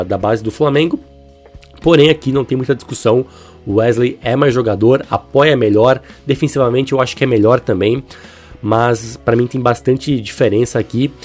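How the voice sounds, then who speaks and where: A Brazilian man hosts a football comparison in a conversational, opinionated style. His voice is husky and rough, thick with a blocked nose and a swollen sore throat from flu. His pitch is average for a man, and music plays softly behind him. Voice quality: congested, stuffy-nosed, husky. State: sick with flu, stuffy nose, inflamed throat. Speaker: football video host. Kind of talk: football commentary, player-by-player comparison. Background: music under the voice.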